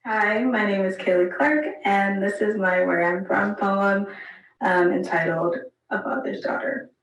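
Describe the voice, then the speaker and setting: Woman poet, steady deliberate read, roomy sound, mic set back. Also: medium pitch, distant mic. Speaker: poet reading her own work. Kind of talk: recited poetry.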